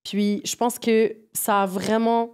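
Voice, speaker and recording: A woman talks as a guest in a relaxed interview. Her voice is soft-edged and mellow, and she speaks informally, slipping English music terms into her storytelling. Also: on the high side, slow pace, clear, resonant tone. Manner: informal, mixes English music slang into French. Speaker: guest, music project producer.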